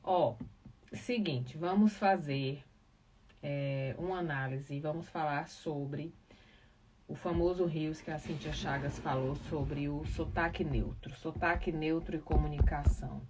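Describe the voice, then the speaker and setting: A woman's voice: low-pitched, steady tone, measured pace. A woman with a Northeastern Brazilian accent from Ceará, explaining things informally and didactically to live viewers, stressing key words. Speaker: live podcast host, communication professional. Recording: distant mic, clear background noise.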